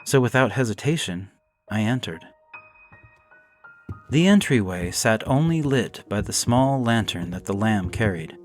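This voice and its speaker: Man, low-pitched, solemn horror story reader, faint music bed. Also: lively intonation, a little slow. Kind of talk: scripted first-person narration.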